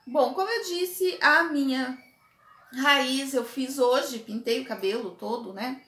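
A woman's voice: sits high, takes it slowly. A woman, chatting animatedly to camera as a beauty vlogger reviewing a product. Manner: chatty and animated, gestures a lot while talking. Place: small indoor room with makeup table. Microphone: camera at desk distance. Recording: echoey small room.

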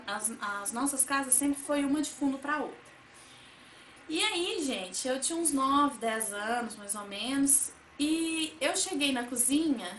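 A young woman chats through a casual storytelling vlog. Her voice sits high, and she keeps turning to her viewers with little asides. The room gives back a clear echo. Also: slight background noise. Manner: chatty, addresses viewers as "gente", acts out quotes loudly. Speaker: vlogger. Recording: echoey room, faint ambience.

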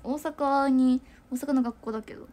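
A woman's voice: high voice, steady tone, moderate pace, warm tone. A young woman chatting casually to viewers on a livestream, giggling and rambling with lots of fillers. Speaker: idol livestreamer.

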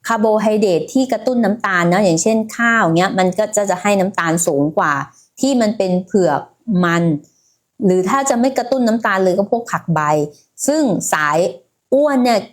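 A woman of medium pitch talks a little on the fast side. She's hosting an informal health livestream in a chatty style, full of filler words, addressing viewers directly throughout.

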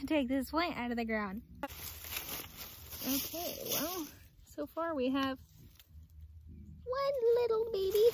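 A young woman vlogging as she does farm chores outdoors, chatting casually with the camera and softly cooing at the animals. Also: high-pitched, a little hiss or hum. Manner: chatty, talks to the animals in a soft baby voice. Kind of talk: casual chat. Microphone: phone camera, often held at arm's length. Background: farm animals and outdoor ambience.

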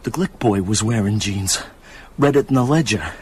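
A man's voice: fairly low pitch, moderate pace, a little mellow, a little hiss or hum, close to an everyday voice. An actor in a radio drama playing an anxious, simple small-town working man, hesitant and plain-spoken.

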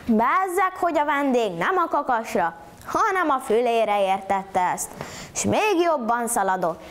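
A woman reciting a folk tale at a storytelling contest, in an animated, rhythmic style. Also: a little high, a little hiss or hum. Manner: animated, rhythmic rhyming delivery.

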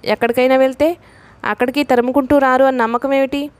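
A woman's voice: high voice, steady tone, fast talker, lightly acted. A woman reading as a worried scheming man. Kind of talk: reading a novel aloud.

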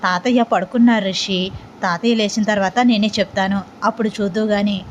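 A woman voicing a gentle, caring older grandmother who speaks reassuringly. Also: medium pitch, steady tone, a little fast, muffled recording, a little hiss or hum, close to an everyday voice.

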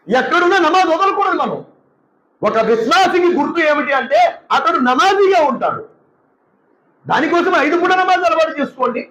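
A man who is an imam, delivering a lively sermon and slipping into quick voices of his listeners. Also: very high-pitched, echoey room, rough recording. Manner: animated, mimics congregants in asides.

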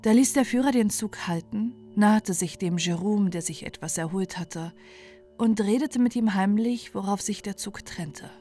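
A woman's voice: medium pitch, moderate pace, dark tone. A woman narrating a scripted bedtime fairy tale as a storyteller. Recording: music bed under the voice.

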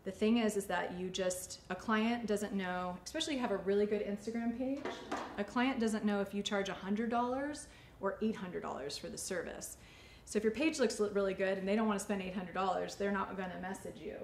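This brisk, medium-pitched woman is a salon owner in her forties, teaching during a demonstration in a chatty, informal way. She's recorded in an echoey indoor studio with a white backdrop and faint ambient noise.

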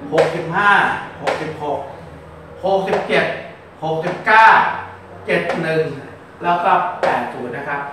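A man with a fairly high voice gives a loose, explanatory fortune-telling talk. He stumbles over and repeats words and reads out long strings of numbers. He is heard from a distance in a very echoey room with faint background noise. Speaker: fortune teller. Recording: very echoey room, mic far off.

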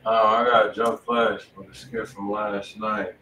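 A man's voice: on the low side, level tone, measured pace, sharp tone. An American man giving casual, slangy and profane music feedback as co-host of a live stream. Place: indoor room, live stream. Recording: roomy, distant mic with noisy background.

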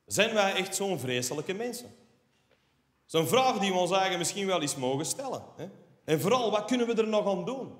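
A man's voice: high-pitched, fairly quick. A Flemish man doing stand-up comedy, ranting and sarcastic, tagging his lines with a questioning "hè". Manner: ranting, animated, sarcastic asides with tag "hè". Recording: roomy hall reverb from a live stage.

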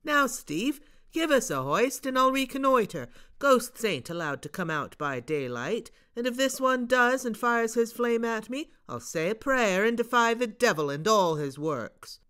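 Woman doing a high, eager storybook boy, brave and cheery. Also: big pitch swings, unhurried, hardly any pauses, fairly bright tone, clear, resonant tone. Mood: excited. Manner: eager, exclaiming. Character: excitable plucky young boy, bold and cheerful.

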